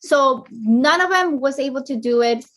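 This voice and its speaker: A woman from Colombia with a Colombian accent, a business owner telling her story as a guest in a casual interview, animated and fond of "like". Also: high-pitched, normal speed, slight background noise. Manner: animated storyteller, acts out phone calls, frequent "like".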